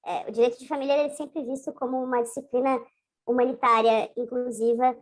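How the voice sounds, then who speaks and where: A woman's voice: fairly high pitch, level tone, quick pace. A woman guest in an interview, her voice altered by a voice changer, telling her story in a hesitant, conversational way with frequent restarts. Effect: voice changer disguising the voice. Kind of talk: casual recounting in a video interview.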